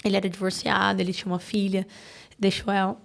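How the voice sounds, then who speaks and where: A woman from Brazil, a podcast guest, telling a painful personal story in a halting, emotional way with many restarts. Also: mid-range voice, monotone, gravelly.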